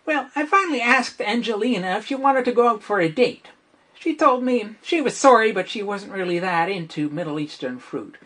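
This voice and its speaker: A man's voice: high-pitched, moderate pace. A man playing a chatty, self-assured teenage schoolboy in a wry comic stage monologue. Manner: animated, wry, conversational storytelling.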